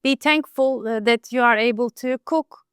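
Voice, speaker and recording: Smooth-voiced woman. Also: fairly high pitch, normal speed, dry recording, studio quality. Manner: soft-spoken, hesitant, many fillers, laughs often. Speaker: guest, home cook. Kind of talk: casual interview. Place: home in Istanbul.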